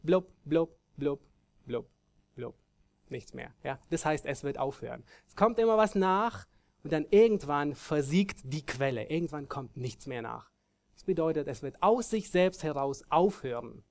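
A man preaching a sermon in an emphatic way, rising loud on key phrases and dropping quiet, often restarting and correcting himself. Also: a little high, expressive, normal speed. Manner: frequent restarts and self-corrections.

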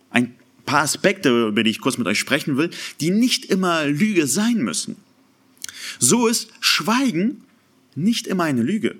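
Male preacher, sermon, earnest and emphatic, lively rising pitch, slightly high voice. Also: husky. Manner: earnest, emphatic preaching with sudden rises and slow stressed words.

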